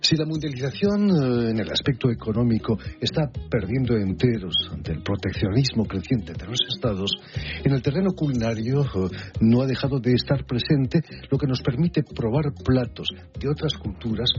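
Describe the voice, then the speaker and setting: A man hosting a radio interview, speaking in a polished, measured presenter manner. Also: mid-range voice, expressive, a little mellow. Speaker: radio host. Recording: muffled broadcast audio with faint music.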